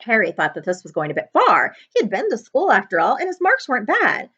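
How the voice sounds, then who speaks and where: A woman librarian reading a chapter book aloud to children in an expressive storytelling style. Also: on the high side, fairly quick, husky. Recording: slightly dull lo-fi home recording.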